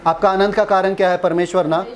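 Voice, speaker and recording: A man's voice: sits high, flat delivery, quick pace, a crowd in the background. Playful man preaching to a congregation. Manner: playful, teasing, asks the audience questions. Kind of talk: conversational Hindi sermon.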